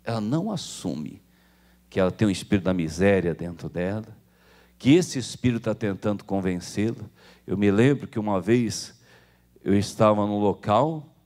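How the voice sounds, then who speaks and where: A man with a Brazilian Portuguese accent, preaching a sermon as pastor and acting out the people he quotes. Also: normal speed. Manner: animated, acts out quoted people with jumps in pitch.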